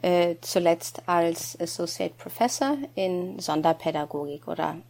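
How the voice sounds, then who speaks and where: A middle-aged woman from Norway, a native Norwegian speaker, talking as a podcast guest, halting and searching for words. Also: lowish voice, steady tone, gravelly, a little mellow. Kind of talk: casual podcast conversation.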